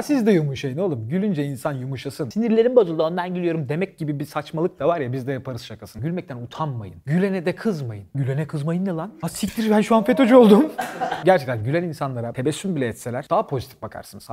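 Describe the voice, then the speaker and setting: A man hosting a comedy talk show, delivering a loud, animated stand-up style monologue that swings from shouting to quiet asides. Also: mid-range voice.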